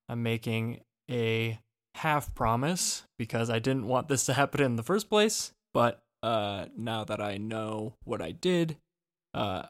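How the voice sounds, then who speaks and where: Man on an echoey laptop mic. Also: mid-range voice. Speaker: podcast co-host and editor. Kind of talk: casual chat. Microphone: laptop microphone. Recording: echoey, distant laptop mic with fan noise.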